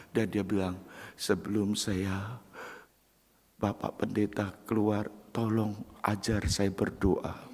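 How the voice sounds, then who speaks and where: An older man, a pastor, preaching a sermon and telling stories. He moves from loud, emphatic preaching to hushed, quiet storytelling. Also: sits low, vocal fry, big-room sound. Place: church sanctuary.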